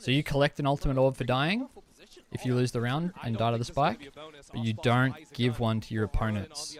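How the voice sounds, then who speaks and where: Fairly quick male speech with an Australian accent, medium in pitch, its pitch varying in an ordinary way. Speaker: esports analyst, former pro coach. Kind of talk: live stream co-stream commentary. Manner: casual, conversational.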